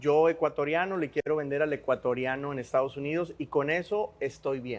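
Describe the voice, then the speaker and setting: A man talks in a fairly high pitch at a fairly quick pace. His intonation is fairly even. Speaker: interviewer, business show host. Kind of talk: interview. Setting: car dealership on location.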